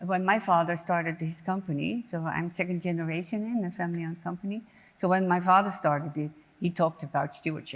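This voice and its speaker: Against a silent background in a very clean recording, a woman speaks at a very fast pace with a fairly low pitch and fairly even intonation. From Netherlands. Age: 50s. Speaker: company CEO. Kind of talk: onstage interview. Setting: theater stage with audience. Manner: halting.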